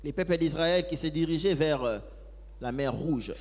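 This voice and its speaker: A man's voice: fairly high pitch, moderate pace, darkish tone. Male church interpreter in a reverberant hall. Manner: follows each phrase closely, with occasional hesitations. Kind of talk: live sermon interpretation. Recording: echoey hall.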